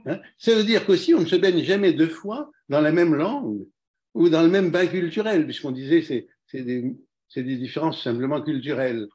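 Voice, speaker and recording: A man with a slightly high voice reflects aloud in an academic discussion. He hedges and often adds short tag questions. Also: normal speed, darkish tone. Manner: reflective, with hedging fillers. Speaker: lecture discussant.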